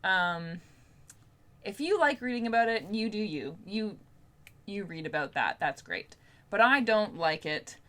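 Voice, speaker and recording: A woman's voice: medium pitch, animated, a little slow, a bit bright. A young woman chatting casually to camera as a book vlogger, in an informal, rambling, playfully self-deprecating way. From Canada.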